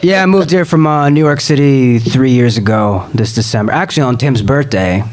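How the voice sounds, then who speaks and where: A man's voice: mid-range voice, brisk, darkish tone. A man in his thirties from the United States, a guest on a comedy podcast, talking dryly and matter-of-factly about coaching improv. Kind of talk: casual comedy podcast chat.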